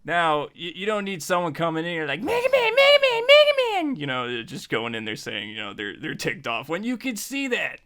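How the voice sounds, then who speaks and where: A man's voice: on the high side, very animated, a little fast, hardly any pauses, sharp tone. An American man giving a casual tutorial, speaking in a jokey, conversational way straight to the listener. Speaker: host of a writing tutorial series.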